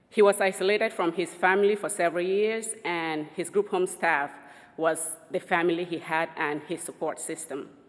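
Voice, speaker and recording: A woman with a non-native accent speaks at a fairly low pitch and moderate pace. Her intonation stays fairly even. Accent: noticeable foreign. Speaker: clinician presenting a patient case. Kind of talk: conference presentation. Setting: symposium stage with audience.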